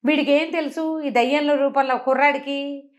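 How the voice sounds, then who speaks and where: A woman telling a children's moral tale in an animated, conversational way, slipping into the characters' dialogue as she narrates. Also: high voice, moderate pace. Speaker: storyteller.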